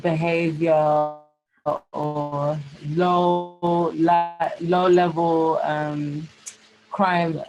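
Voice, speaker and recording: A woman's voice: deep voice, flat delivery, highs cut off, over music. Woman on a glitching, cutting-out call. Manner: halting, searching for words. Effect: glitching audio, connection cutting in and out. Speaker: participant in an online group discussion. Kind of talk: casual discussion. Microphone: computer or phone mic over an internet connection.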